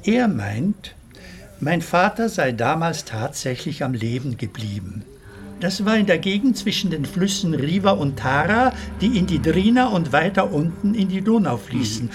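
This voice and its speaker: A proud old plasterer, expressive, lively pitch, slightly higher voice. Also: male voice, normal speed. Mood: somber. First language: Italian. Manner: earnest, expressive storyteller. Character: proud retired Italian plasterer, old man telling his father's war story. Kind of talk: radio play acting.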